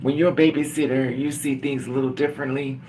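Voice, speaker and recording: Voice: medium pitch, fairly even intonation, fast talker, mellow, a little hiss or hum. A middle-aged livestream host chatting casually and candidly with viewers, laughing often and calling on them by name.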